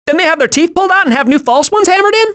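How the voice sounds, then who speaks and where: An actor playing a hyperactive, childlike young squirrel in an animated video game, excitable and naive. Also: male voice, very high voice, very fast. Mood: cheerful, naive. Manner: excitable, naive, wide-eyed.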